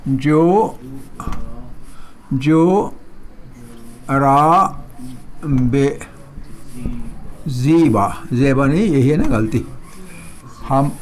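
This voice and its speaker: A middle-aged man teaching a Persian lesson, repeating words slowly and explaining them in a mix of Hindustani and English. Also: a little high, darkish tone, a little hiss or hum. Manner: slow, drawn-out repetition of words. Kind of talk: slow classroom lesson.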